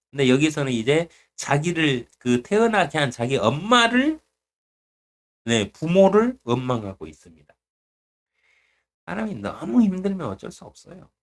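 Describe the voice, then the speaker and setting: A male preacher teaches the Bible in a blunt, down-to-earth sermon. His voice sits at a middle pitch but swings up and down with animated emphasis. He often puts questions to his listeners. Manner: asks the audience questions.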